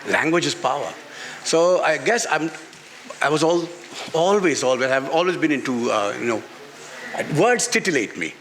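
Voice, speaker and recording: His voice is a little high and fairly bright, moving at a moderate pace with lively intonation. He's a middle-aged author with a Pakistani accent, answering openly on a literary festival panel in a garden venue and repeating phrases for stress. The live recording carries background noise.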